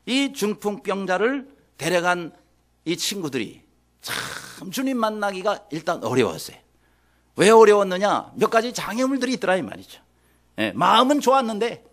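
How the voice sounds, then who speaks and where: A middle-aged man, a senior pastor, preaching a sermon dramatically, swinging between soft asides and loud calls and leading the congregation in call and response. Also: high-pitched.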